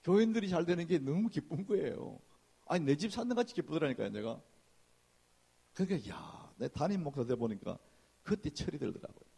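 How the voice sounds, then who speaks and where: A man preaching a sermon as senior pastor, in a lively conversational way, acting out church gossip in hushed voices. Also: fairly high pitch, a little fast, creaky, slightly rough.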